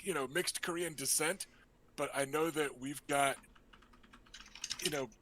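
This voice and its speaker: Chatty, joking man with a bright voice. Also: medium pitch, a little hiss or hum, poor audio. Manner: chatty and joking, explains his choices at length. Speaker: player. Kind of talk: casual chat, building a character.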